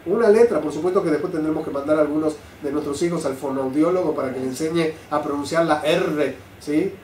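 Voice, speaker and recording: An older man, a rabbi, giving a Torah class, lively and full of rhetorical questions. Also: on the high side, brisk. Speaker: rabbi teaching. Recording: roomy sound, mic at a distance, faint noise.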